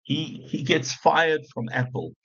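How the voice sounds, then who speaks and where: A man from South Africa with an Afrikaans accent, giving a chatty, animated university lecture with lots of repeated restarts. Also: on the high side, slow pace, breathy edge. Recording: muffled lecture recording.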